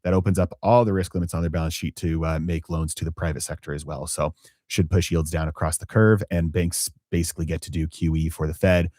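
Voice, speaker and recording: A man's voice: a bass voice, steady tone, a little mellow, no echo, studio quality. A man hosting a live finance stream, talking through markets with lots of fillers and restarts. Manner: halting, many fillers and restarts. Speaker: finance channel host.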